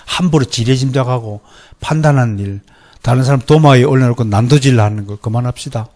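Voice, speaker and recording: A middle-aged male pastor with a Gyeongsang accent, preaching a sermon lecture in a lively, animated way, often mimicking others. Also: medium pitch. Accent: Gyeongsang Korean. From Gyeongsang region, Korea. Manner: lively, animated, mimics people in quoted voices.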